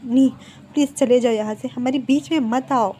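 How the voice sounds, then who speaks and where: A woman's voice: high voice, moderate pace, warm tone, slight background noise, natural voice. Woman voicing a torn, desperate young husband. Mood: pleading. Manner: pleading, breaking off mid-sentence.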